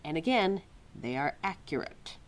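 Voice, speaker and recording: A woman playing a quirky, exasperated, motherly keeper of forgotten lore in an ad-libbed audio roleplay, chatty and wry with halting, musing asides. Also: deep voice, sing-song, slight background noise. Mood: informative, amused. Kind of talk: ad-libbed ASMR-style roleplay, talking to a listener.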